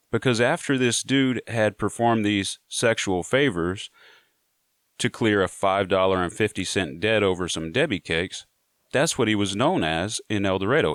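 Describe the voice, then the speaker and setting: Man, casual storytelling, laid-back, low voice, dry close sound. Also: fairly bright tone, no echo. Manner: conversational and laid-back, with frequent "you know". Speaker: storyteller sharing prison stories.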